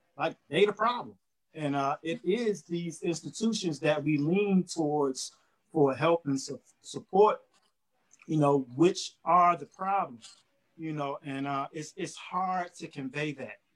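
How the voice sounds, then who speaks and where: A man with an American accent speaks at a fairly slow pace in a normal speaking voice, his pitch fairly high and its variation ordinary, with big swings in loudness and a dry, close sound that has no echo. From Washington DC. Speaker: co-host, community organizer. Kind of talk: casual chat.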